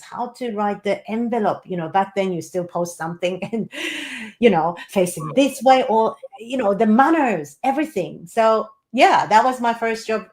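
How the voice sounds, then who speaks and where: Interview guest, woman, native Japanese speaker, relaxed chatty delivery. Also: mid-range voice. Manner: chatty, many "you know" fillers, laughs often. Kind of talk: casual interview conversation.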